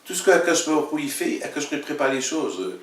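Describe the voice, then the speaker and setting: Halting, emphatic man teaching in an echoey room. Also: fairly high pitch, sing-song. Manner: repeats phrases, halting, emphatic. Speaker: religious teacher, rabbi leading a class. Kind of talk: informal religious lesson with questions. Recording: echoey room, mic at a distance.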